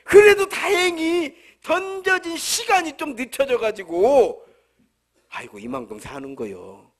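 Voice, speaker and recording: A man's voice: very high voice, big pitch swings, measured pace. A male pastor with a Jeolla accent, delivering a humorous, conversational sermon full of rhetorical questions at a church service. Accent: Jeolla Korean.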